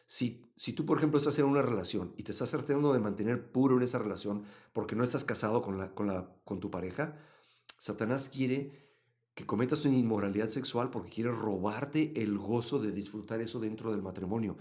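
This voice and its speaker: A man from Mexico, teaching a live Bible study and answering chat comments, swinging between loud emphasis and quiet asides. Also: lowish voice, brisk.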